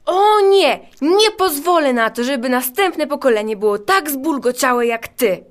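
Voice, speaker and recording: A woman plays creativity itself as an irate boss in an audio story. The voice is high, theatrical and full of indignation. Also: expressive, a little slow. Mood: angry.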